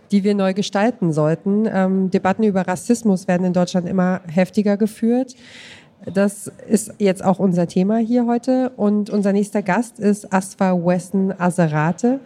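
Mellow-voiced woman radio interviewer. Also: mid-range voice. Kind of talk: live interview moderation. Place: live at a book fair.

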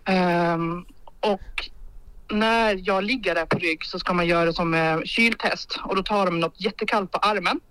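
Bright-voiced woman telling a story. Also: lowish voice, clean tone, no room sound, rough recording. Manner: vivid storyteller, acts out quoted dialogue. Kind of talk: casual podcast chat, storytelling.

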